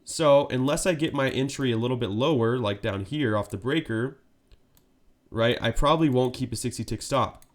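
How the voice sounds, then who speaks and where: A man's voice: mid-range voice, normal speed. A man with a cold and a congested voice, giving live market commentary on his stream and checking in with a frequent "right?". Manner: steady explanatory, frequent "right?" check-ins.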